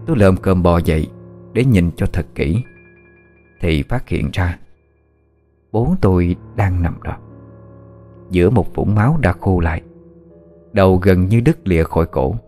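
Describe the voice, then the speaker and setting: A man reading a scripted horror story in a steady, somber way. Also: low voice, unhurried, long pauses, soft background music.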